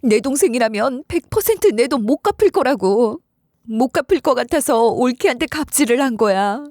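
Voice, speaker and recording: A woman's voice: fairly high pitch, animated, moderate pace, a little mellow, dry recording, studio quality, close to an everyday voice. A woman voicing a desperate sister-in-law who begs and apologizes over and over, for a story radio show. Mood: apologetic. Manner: pleading, apologetic.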